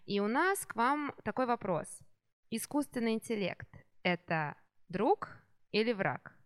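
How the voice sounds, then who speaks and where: A woman who is a hospital teacher hosting a podcast, patiently prompting children with gentle follow-up questions. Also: a little high, sing-song, measured pace. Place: children's rehabilitation centre.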